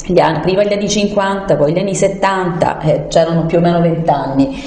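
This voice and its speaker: A woman's voice: lowish voice, brisk, dark tone. A woman explaining things as a guest in an unscripted radio discussion, hesitant and searching for words. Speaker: studio guest explaining environmental issues. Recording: echoey room with long reverb.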